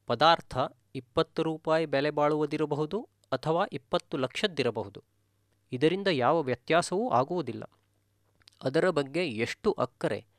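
A man giving a spoken meditation talk, telling a teaching story in a calm, steady storyteller's manner. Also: fairly high pitch, no room sound, studio quality.

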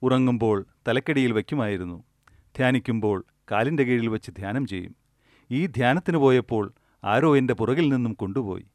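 A grieving old village woman mourns her lost little bag of savings, as a man speaking at a discourse puts her on. The voice stays at a middle pitch and is close and dry, told plainly rather than fully acted. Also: fairly quick, no room sound, lightly acted. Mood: lamenting.

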